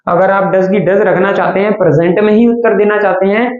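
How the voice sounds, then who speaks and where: High-voiced teacher in echoey room. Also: male voice, steady tone, a little fast, phone-quality sound. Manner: repeats and answers his own questions, addresses students as children. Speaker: English teacher. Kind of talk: classroom grammar lesson.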